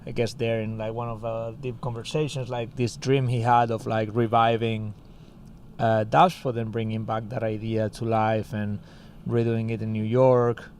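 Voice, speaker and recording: A man with a Spanish accent tells a story in a casual podcast chat, filling his sentences with "you know" and "like." His voice sits at an ordinary middle pitch. A faint noise hangs under the recording. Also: flat delivery, normal speed, darkish tone. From Spain. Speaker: co-founder of a music school.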